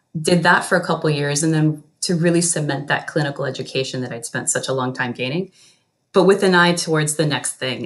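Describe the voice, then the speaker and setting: A woman talks with a very deep, low pitch. Her intonation stays fairly even. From Chile. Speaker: veterinarian. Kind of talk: interview.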